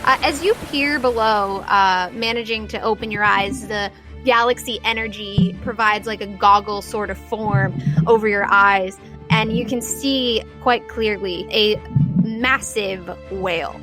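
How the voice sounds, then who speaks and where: A woman's voice: medium pitch, steady tone, a little slow. A woman game master narrating a tabletop adventure in casual, descriptive storytelling style, with music behind.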